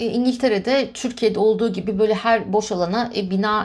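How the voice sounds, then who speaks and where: In a very clean recording with a silent background, a woman with a normal speaking voice talks at a fairly slow pace with ordinary pitch variation. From Bulgaria-born, lived in Istanbul, Turkey. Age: 30s. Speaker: YouTuber and immigration adviser. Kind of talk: casual vlog chat. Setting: at home on camera with coffee.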